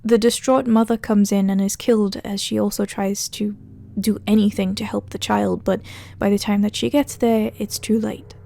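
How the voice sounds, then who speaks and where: A woman's voice: medium pitch, level tone, normal speed, gravelly, warm tone. A woman narrating a casual recap and commentary as a video essay host, conversational with wry, sardonic asides.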